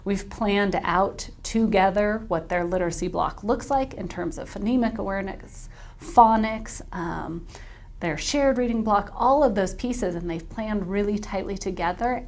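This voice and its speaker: A woman's voice: mid-range voice, measured pace, darkish tone. A woman school leader speaking in an upbeat way in an interview. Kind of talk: interview answer.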